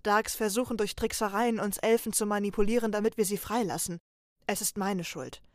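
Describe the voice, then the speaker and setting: A woman voicing a serious male elf trainer who speaks in an earnest, steady way, in a read-aloud story. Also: medium pitch, a little fast, no room sound, clean studio sound, lightly acted. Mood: remorseful, urgent. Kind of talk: storybook reading.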